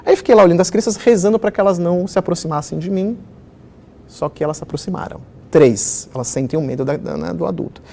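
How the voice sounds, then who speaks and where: A middle-aged man who was born in Israel, telling personal stories as a children's author in an animated conversational interview style, with many fillers. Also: high-pitched, fast, vocal fry, slight background noise.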